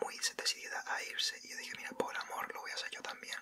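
The voice is whispering. It moves at a fairly quick pace. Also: man. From Spain. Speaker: ASMR creator. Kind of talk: ASMR story time. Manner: whispered. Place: home room.

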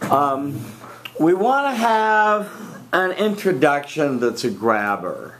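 Over light background noise, a man with a fairly high pitch talks at a very slow pace, his pitch swinging very widely while his loudness stays very even. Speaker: speech instructor. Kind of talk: classroom instruction and feedback. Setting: college classroom. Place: classroom.

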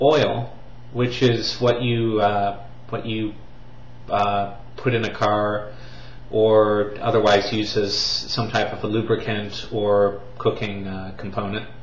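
A man with an American accent speaks at a very slow pace and a fairly low pitch. His intonation is monotone and flat, with audible room echo. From Texas and Ohio. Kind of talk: casual talk to camera. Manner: hesitant, many fillers. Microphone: webcam.

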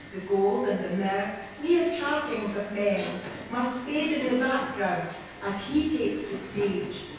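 A woman is speaking. There is noticeable background noise and strong room echo. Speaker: poem reader at church event. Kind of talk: poetry reading. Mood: solemn, devotional. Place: church. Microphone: camera far.

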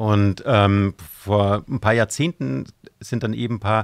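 Recorded dry with no echo against a quiet background, a man speaks at a fairly low pitch with ordinary pitch variation. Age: 50s. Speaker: professor of sustainable finance. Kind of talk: casual interview conversation. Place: studio. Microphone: studio mic.

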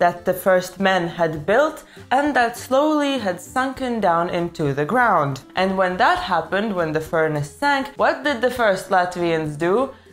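A woman talks at a fairly slow pace with faint music in the background. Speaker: language educator. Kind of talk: educational vlog talk. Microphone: lapel.

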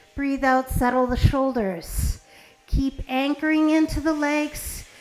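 Very slow delivery with ordinary pitch variation and faint music in the background. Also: woman. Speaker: yoga instructor. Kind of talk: guided yoga instruction. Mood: calm, soothing.

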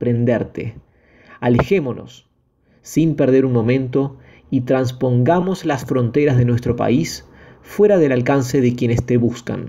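The delivery is dramatic and fairly slow, in a dark, mellow tone. A man speaks at a medium pitch with ordinary pitch variation. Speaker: audiobook narrator. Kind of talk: audiobook reading aloud, dramatic narration. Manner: dramatic, urgent, with tension and emotion; first-person storyteller voicing characters' dialogue.

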